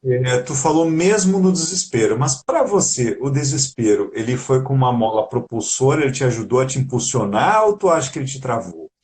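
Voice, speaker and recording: A man hosts a live interview and asks his guest curious, probing questions. His pitch moves a lot as he talks. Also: expressive, a little fast, hardly any pauses, darkish tone. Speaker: host.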